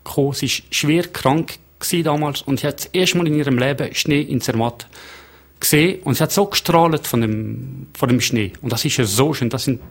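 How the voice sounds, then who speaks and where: Gravelly French-native man on radio. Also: medium pitch, a little fast. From Geneva, Switzerland. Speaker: hotelier, radio guest. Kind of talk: radio interview. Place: radio studio.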